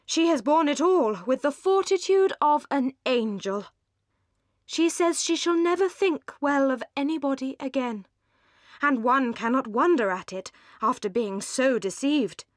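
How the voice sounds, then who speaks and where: A pompous English gentleman of a classic novel, acted out by a woman narrator. He holds forth solemnly and at length, very pleased with himself, in a close, dry audiobook sound. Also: sits high, no echo, voice pushed up. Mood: solemn, aggrieved. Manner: pompous, solemn, long-winded. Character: pompous, solemn, self-satisfied gentleman brother. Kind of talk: audiobook character dialogue.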